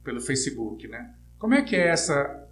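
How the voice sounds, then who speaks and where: A man's voice: medium pitch, big pitch swings, normal speed, fairly bright tone. Brazilian male interviewer in an echoey room. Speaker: interviewer, host. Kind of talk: casual interview chat. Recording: roomy echo, faint hum and noise.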